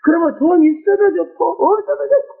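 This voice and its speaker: A man's voice: very high-pitched, brisk. A man preaching a sermon in Korean, emotive and exclaiming, with frequent rhetorical asides to the congregation. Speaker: pastor. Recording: tinny phone-like lo-fi recording.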